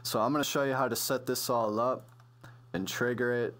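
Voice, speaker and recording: A man presenting a music production tutorial in an informal, slangy, off-the-cuff way, speaking into a mic over a software demo. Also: mid-range voice, steady tone, moderate pace. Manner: informal, slangy, loosely improvised explaining. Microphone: computer voice-over on a microphone.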